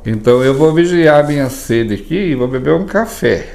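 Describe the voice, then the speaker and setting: A man with a Brazilian Portuguese accent, an herbalist giving spiritual advice in a casual chat, telling lively stories and acting out little dialogues. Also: mid-range voice, normal speed, creaky.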